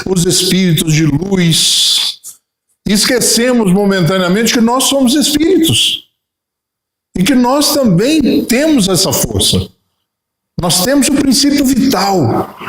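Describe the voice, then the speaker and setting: Brazilian male spiritist lecturer, high voice, storyteller, echoey room. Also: a bit bright. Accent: Brazilian Portuguese. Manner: storytelling with acted-out dialogue.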